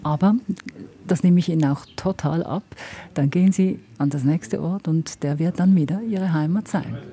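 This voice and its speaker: A woman's voice: low-pitched, normal speed, mellow. A Swiss German woman hosting a radio show, asking layered questions and narrating between the talks. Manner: probing, asks layered questions. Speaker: radio host.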